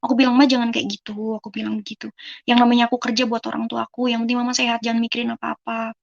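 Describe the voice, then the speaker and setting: A woman's voice: on the high side, little pitch movement, very fast, vocal fry, dull audio. A young woman from Indonesia giving a personal testimony in a conversational way, replaying quoted dialogue and often turning to her listeners as friends. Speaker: testimony speaker.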